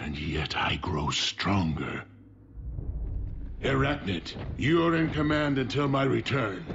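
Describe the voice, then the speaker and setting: Doing a cartoonish character voice at medium pitch, a man speaks at a fairly slow pace with long, frequent pauses and very wide pitch swings over clear background noise. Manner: grandiose.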